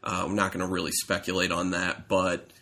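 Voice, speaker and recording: Deep-voiced man with a stuffy cold. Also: completely flat delivery, brisk, sharp tone. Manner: rambling, self-correcting storyteller. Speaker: podcast co-host. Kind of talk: casual chat.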